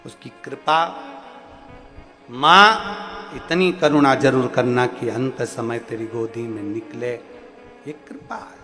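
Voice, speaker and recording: A male preacher delivering a Hindu devotional sermon, fervent and rhythmic, moving between hushed phrases and loud declaiming. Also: medium pitch, steady tone, slow. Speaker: religious storyteller preacher. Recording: long hall reverb with faint music.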